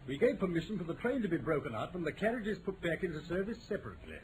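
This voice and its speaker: An actor playing a plain-spoken, deferential English police inspector in a 1940s radio drama. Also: male voice, a little high, very animated, very fast. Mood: matter-of-fact. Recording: noisy old radio broadcast recording.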